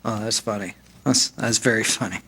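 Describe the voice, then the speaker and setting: A man playing a despairing, bitter family man in a radio play, halting and repeating his words. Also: lowish voice, fairly even intonation, sharp tone, breathy edge, heavily acted. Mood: puzzled. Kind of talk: staged 1940s radio play acting.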